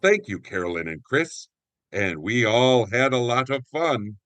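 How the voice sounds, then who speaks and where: A man's voice: medium pitch, big pitch swings, a little slow, a bit bright, soft background music. A man speaking as a community theater actor and announcer, explaining things conversationally. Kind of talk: conversational guest interview and warm sign-off narration.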